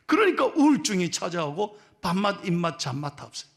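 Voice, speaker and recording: A middle-aged male pastor with a Gyeongsang accent, preaching a sermon in a joking, lively way and teasing his congregation. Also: sits high, fairly quick, vocal fry. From Gyeongsang region of Korea. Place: church sanctuary.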